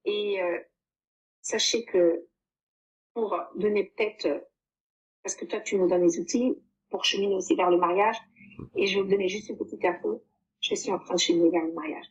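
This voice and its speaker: A woman's voice: mid-range voice, moderate pace, long pauses, lo-fi sound. A woman in her fifties, of Portuguese origin, giving a heartfelt testimonial about her coaching with frequent hesitant fillers. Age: 50s. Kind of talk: emotional personal testimony.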